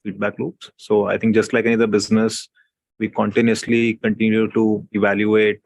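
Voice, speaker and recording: A man speaking as a company executive, giving unscripted answers to investor questions with measured, hesitant phrasing. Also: on the low side, completely flat delivery, gravelly, no echo. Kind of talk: unscripted earnings call answers.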